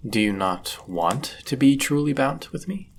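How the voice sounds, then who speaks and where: A man's voice: medium pitch, lively intonation, gravelly, slight background noise. A man voicing a powerful, possessive demon in love, speaking intensely and formally in a dramatic fantasy audio roleplay. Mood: commanding, urging. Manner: intense, deliberate, formal and archaic phrasing. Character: powerful, possessive, lovestruck male demon bound to a sorcerer.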